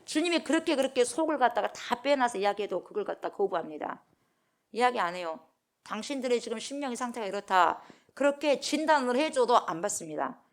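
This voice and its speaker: A woman's voice: a little high, expressive, fairly quick. Emphatic woman pastor preaching. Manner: emphatic, asks the congregation questions and answers them; acts out scripture speakers in a raised voice. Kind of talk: dawn prayer sermon.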